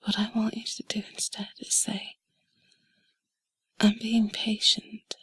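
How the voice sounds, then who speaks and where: A woman doing an intimate whispered role-play in a soft, breathy, sultry and soothing voice, speaking slowly and deliberately, close to the mic. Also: fairly high pitch, monotone, dry recording. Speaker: intimate audio narrator. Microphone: close mic, dry.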